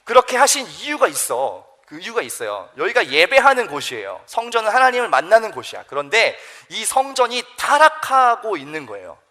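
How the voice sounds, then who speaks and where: Lively young man preaching to teens. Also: sits high, a little fast, hardly any pauses. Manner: lively storytelling, asks the listeners questions. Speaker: youth pastor. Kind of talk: sermon to teenagers.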